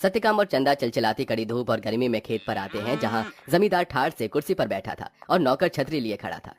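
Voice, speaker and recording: A man narrating a children's cartoon story in a steady, scripted storytelling manner. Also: medium pitch, brisk, faint music behind.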